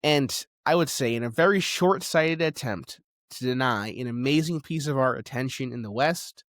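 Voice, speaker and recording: A man's voice: mid-range voice, normal speed, a bit bright, no echo. Emphatic man giving opinionated commentary, dry sound. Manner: emphatic, insistent, informal asides. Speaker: commentator on film and animation. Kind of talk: opinionated video essay commentary, conversational.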